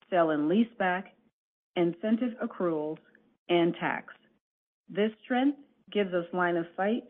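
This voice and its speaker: Low-voiced businesswoman on a phone line. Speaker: company executive presenting on an earnings call. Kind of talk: formal scripted corporate presentation. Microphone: conference call line. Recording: narrowband phone conference line.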